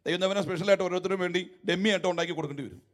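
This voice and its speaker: A man preaching a sermon, swinging between emphatic shouted lines and low, wry, mocking asides as he tells humorous stories. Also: racing.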